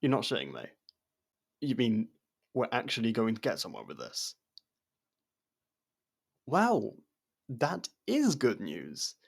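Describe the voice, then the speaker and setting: A man acting a guarded, blunt convict who helps with an investigation, in a conversational ASMR roleplay with hesitant pauses. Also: mid-range voice, huge pitch swings, vocal fry, heavily acted. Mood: surprised, curious. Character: jailed man helping an investigator, guarded, blunt, wryly supportive. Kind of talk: ASMR roleplay audio drama.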